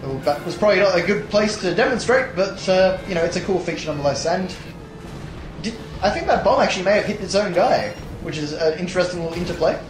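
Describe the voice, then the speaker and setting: Hoarse young man narrating gameplay. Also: high voice, fast, echoey room, poor audio. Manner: rambling, many fillers and restarts. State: hoarse, tired voice. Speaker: let's play host. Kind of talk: casual gameplay commentary. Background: game music.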